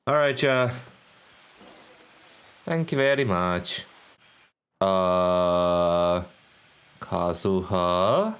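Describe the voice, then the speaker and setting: Slow, deep-voiced male streamer. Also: expressive, fairly bright tone, clear, resonant tone. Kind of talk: casual let's play commentary.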